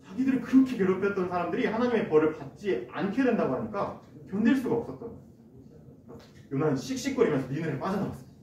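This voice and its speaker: Animated male pastor in an echoey church. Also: sits high, fast. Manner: animated storytelling, acting out the characters. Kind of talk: children's sermon storytelling. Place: church sanctuary. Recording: echoey church hall from far off, background noise.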